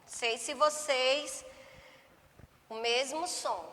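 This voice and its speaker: A woman's voice: high-pitched, pushed and bright. A woman teaching a first-grade class, stretching out syllables and checking in with the children often. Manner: slow, drawn-out syllables, frequent "né?" and "certo?" checks. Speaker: primary school teacher. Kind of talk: remote class lesson. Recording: long hall reverb.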